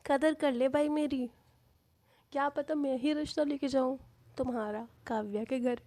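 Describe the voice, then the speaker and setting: A woman's voice: high voice, fairly even intonation, normal speed, warm tone, lightly acted. A woman voicing a cocky young woman who jokes and teases in a playful way. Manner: playful, brash.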